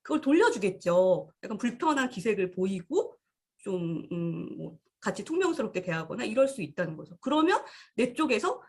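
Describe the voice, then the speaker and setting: A woman co-hosting a psychology talk show, calmly explaining ideas with acted-out example thoughts. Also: medium pitch, normal speed, slightly rough. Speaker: podcast co-host. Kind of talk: casual explanatory chat.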